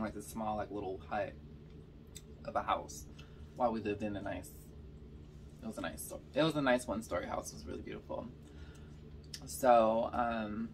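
Chatty, slightly raspy young woman vlogger. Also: extremely low pitch, far from the mic, slight background noise. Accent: slight Californian. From Georgia, US South. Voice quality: a little raspy. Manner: chatty storytelling between bites, lots of "like" and "y'all". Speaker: mukbang vlogger. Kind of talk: casual chat while eating. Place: bedroom, indoors.

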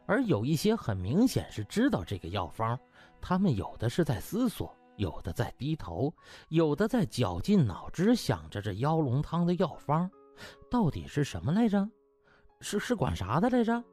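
Husky, very animated male audiobook narrator. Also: a little high, moderate pace, faint music behind. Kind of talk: lively comic novel narration.

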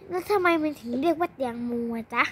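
Talking fast in a high voice, a young girl acts out all the family members herself in an improvised, playful dollhouse drama for a toy roleplay video. Slight background noise can be heard.

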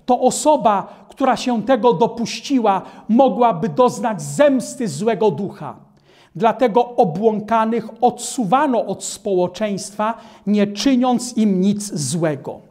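A man in his sixties giving a Bible study lecture as a preacher, explaining in a measured way in a studio. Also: sits high, a little mellow. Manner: slow, measured, explanatory delivery. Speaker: Adventist preacher. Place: studio in front of a painted backdrop.

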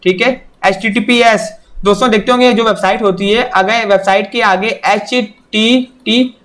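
A man's voice: high voice, steady tone, moderate pace, a bit bright. A young man teaching an exam-prep lesson, who keeps repeating "okay" and "remember this" in a direct, instructive way. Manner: repeats "theek hai" and "yaad rakhiyega" often, direct instructional.

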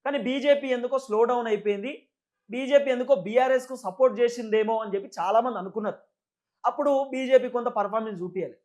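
Male political commentator, Telangana Telugu accent, very high voice, rapid delivery, emphatic and repetitive explaining. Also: darkish tone. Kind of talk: unscripted political news commentary.

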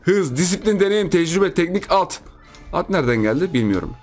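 A man's voice: high-pitched, big pitch swings, a little fast, faint music behind. A man giving casual, playful commentary as he plays a video game, teasing the other players and chatting with his viewers. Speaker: gaming YouTuber. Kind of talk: casual let's-play commentary.

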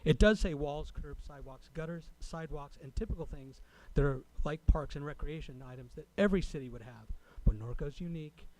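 A man speaking as a resident at a public meeting, delivering a prepared comment in a formal, deliberate way. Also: fairly high pitch, darkish tone, rough recording. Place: city council chamber.

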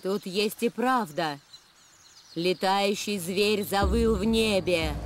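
An actress voicing a grave, wise tribal woman leader in a cartoon, speaking in a measured, solemn way. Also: mid-range voice, background noise, natural voice. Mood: solemn narrating. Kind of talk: animated adventure cartoon dub.

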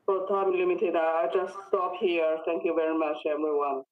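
A man giving a halting conference presentation over tinny video-call audio. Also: a little high, level tone. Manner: halting delivery. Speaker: academic presenter.

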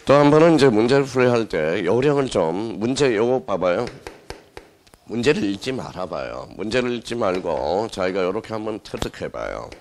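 A man's voice: on the low side, sing-song, normal speed, a little mellow, slight background noise. A male exam-prep lecturer teaching a class, who asks the students questions, answers them himself and repeats the key words.

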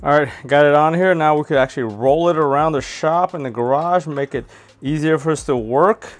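A man in his thirties giving a relaxed, step-by-step how-to walkthrough of a tool project in his home garage. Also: on the high side, a little fast. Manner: relaxed, practical, explains step by step. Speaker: DIY garage tool reviewer. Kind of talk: casual how-to narration.

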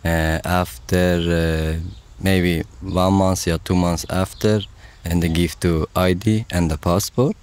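A man, a Persian speaker, talking casually in halting, simply phrased English. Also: sits low, fairly even intonation, darkish tone, smooth. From Afghanistan. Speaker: podcast subject telling his story.

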